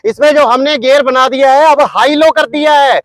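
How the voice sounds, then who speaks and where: High-pitched man, boastful hard sell. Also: steady tone, normal speed, no echo. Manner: boastful, emphatic salesman. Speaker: maker and seller demonstrating a farm machine. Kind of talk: hard-sell product demonstration. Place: outdoors in a farm field.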